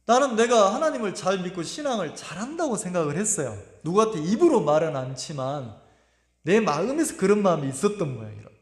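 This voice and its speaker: A middle-aged man preaching a sermon, telling a personal story in an earnest, emotional way, pausing and repeating his words. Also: high-pitched, sing-song. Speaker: pastor. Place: church sanctuary. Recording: echoey church hall with long reverb.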